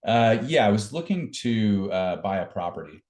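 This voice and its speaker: Low-voiced man in an echoey room. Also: big pitch swings, normal speed, a little mellow. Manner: hesitant, many fillers. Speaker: product cofounder giving a demo. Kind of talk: casual webinar demo.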